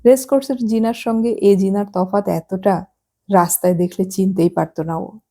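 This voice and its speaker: A woman narrating a novel as an audiobook, reading at an unhurried pace and lightly acting out the dialogue. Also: mid-range voice, steady tone, warm tone.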